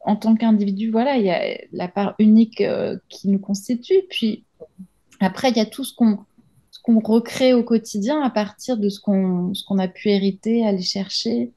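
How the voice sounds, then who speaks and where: A woman in her thirties, a journalist and author with French as her first language, thinks out loud in a reflective interview full of hesitations and restarts. Her warm, medium-pitched voice has fairly even intonation and a moderate pace.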